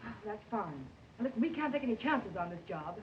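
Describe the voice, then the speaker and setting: A woman's voice: mid-range voice, very animated, fairly quick, lightly acted. An actress playing a cool, commanding female jewel thief, with stagey, theatrical early-talkie film delivery. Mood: conspiratorial. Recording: muffled, hissy 1920s film soundtrack, distant mic.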